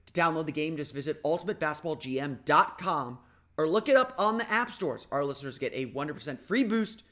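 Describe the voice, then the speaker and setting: A man hosting a casual sports podcast, talking energetically with a slightly raspy voice and frequent restarts. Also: fairly high pitch, fairly quick. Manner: energetic, rambling with restarts and fillers. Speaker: podcast host.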